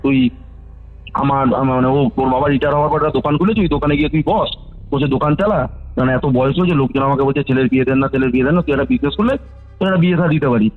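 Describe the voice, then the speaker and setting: A man's voice: medium pitch, racing. A man in his thirties from West Bengal, calling in to recount a personal ghost story in a rambling, self-correcting way. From West Bengal, India. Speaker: caller telling a ghost story. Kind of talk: phone-call storytelling. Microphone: phone. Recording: phone-line recording with faint music.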